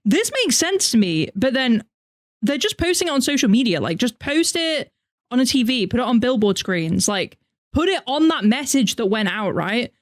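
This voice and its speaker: Animated woman streamer, lively swooping pitch. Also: normal speed, no room sound, clean studio sound. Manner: animated, expressive streamer chatter with exclamations. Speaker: streamer reacting to a video. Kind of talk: casual reaction commentary.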